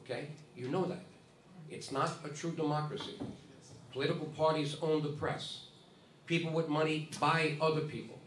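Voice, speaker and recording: A man's voice: a little high, little pitch movement, normal speed, fairly bright tone. Emphatic male ceremony speaker, off the cuff, recorded from afar in a roomy hall with faint hiss. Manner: emphatic, repeats himself, talks to the audience. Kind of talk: informal speech at a ceremony. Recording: echoey hall, distant mic, faint hiss.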